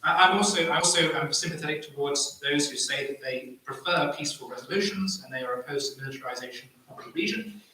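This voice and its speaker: A man speaking as a panelist, arguing a point in halting phrases with repeated words. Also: on the high side, sharp tone. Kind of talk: impassioned debate argument. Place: live panel event in an echoey room. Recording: very echoey room, distant microphone.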